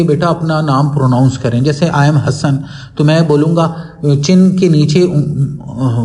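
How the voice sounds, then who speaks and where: A man with a Pakistani accent walks teachers through a lesson, reading English lines slowly and carefully. His voice sits a little high for a man but has a mellow, dark tone. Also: rough recording. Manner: slow, deliberate when reading English lines aloud. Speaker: teacher trainer. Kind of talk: lecture to teachers.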